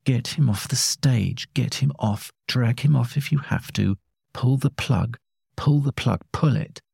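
A man's voice: mid-range voice, measured pace, vocal fry, darkish tone, breathy edge, dry recording, clean studio sound, pitched above the performer's own voice, full character voice. A man voicing a frantic boss on the phone, giving urgent, repeated commands.

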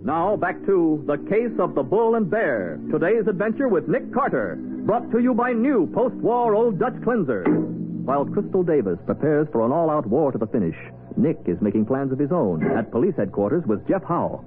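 A man's voice: on the high side, very animated, normal speed. A man narrating a radio serial as its announcer in a dramatic 1940s style. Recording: tinny old radio broadcast with music. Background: loud music.

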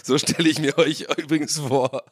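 Young guy a bit hoarse, pretty high voice, riffing and cursing alone on his podcast at home. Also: normal speed. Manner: animated, swearing, ranting. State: slightly hoarse. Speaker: podcast host. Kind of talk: casual solo podcast monologue. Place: room at home. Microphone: own studio mic.

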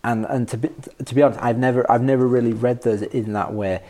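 A man speaking as a podcast guest in reflective personal conversation, thoughtful and halting as he searches for words. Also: medium pitch, steady tone, dark tone. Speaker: podcast guest discussing a favourite poem.

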